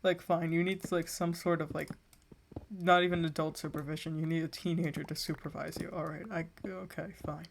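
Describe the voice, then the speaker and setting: A woman's voice: low-pitched, level tone, fairly quick, creaky, a little hiss or hum. A teenage woman streaming a game and telling a rambling story in casual chat, full of filler likes. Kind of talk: casual chat while gaming.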